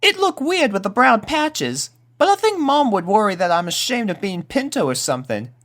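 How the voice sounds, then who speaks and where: A man voicing young boy pony colts in a storybook reading, with a high child voice and expressive, uneasy chatter. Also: moderate pace. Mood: casual chatter. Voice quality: high-pitched put-on child voice.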